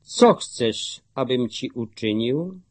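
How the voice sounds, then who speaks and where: A man reading the words of Jesus as a calm, authoritative teacher, in a measured, solemn way. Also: mid-range voice, dry recording.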